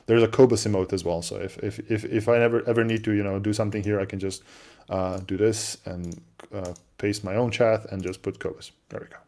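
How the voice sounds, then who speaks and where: Low, mellow-voiced man chatting on a livestream. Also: fairly quick. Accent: non-native English. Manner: relaxed, chatty, answers viewer questions with frequent fillers and restarts. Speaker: livestream co-host. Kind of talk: casual livestream chat.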